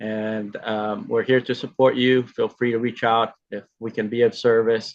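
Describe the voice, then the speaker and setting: The delivery is monotone, with flat intonation. The pace is fairly slow. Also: man, medium pitch for a man. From Romania. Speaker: podcast host. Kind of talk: interview.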